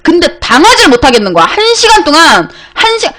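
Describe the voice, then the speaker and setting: A young woman streamer telling a story to her viewers in a casual, animated way, swearing freely and breaking into loud bursts. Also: very high voice, a little fast. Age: young adult. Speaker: internet broadcaster.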